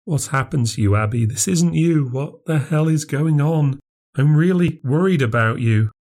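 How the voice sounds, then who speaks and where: A man's voice: sits high, big pitch swings, normal speed, pitched above the performer's own voice. A man voicing an upset, anxious adult woman who confronts her sister, hurt and insistent. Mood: pleading, worried.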